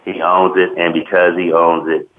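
Man in his fifties, low voice, halting and blunt, tinny phone line, sports radio. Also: flat delivery. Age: 50s. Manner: halting, repeats words, blunt opinions. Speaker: co-host. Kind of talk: casual sports radio talk.

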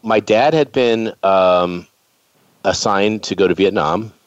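Super deep voiced guy hosting a chat, rambly, dry dull lo-fi sound. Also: slow, smooth, no room sound. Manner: chatty, rambling with restarts. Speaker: show host. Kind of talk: casual interview chat.

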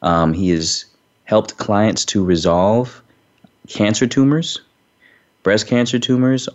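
A male show host interviewing a guest, talking haltingly with frequent fillers. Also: lowish voice, darkish tone. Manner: halting, frequent um and you know. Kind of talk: interview hosting. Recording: dull lo-fi recording.

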